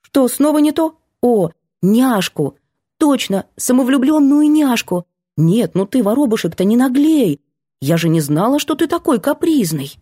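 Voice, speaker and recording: A woman's voice: on the high side, very animated, dark tone, husky, no room sound, clean studio sound, pitched above the performer's own voice, heavily acted. A woman voicing a bookish, stubborn young female student who teases and protests in a chirpy manner. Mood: teasing. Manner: chirpy, teasing, quick to protest. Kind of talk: audiobook character voice.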